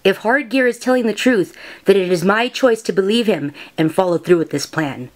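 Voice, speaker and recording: An earnest young anime heroine, acted out by a woman. She speaks dramatically, protective and anguished, at a middling pitch. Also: normal speed, lightly acted. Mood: resolute. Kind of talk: dramatic anime-style voice demo.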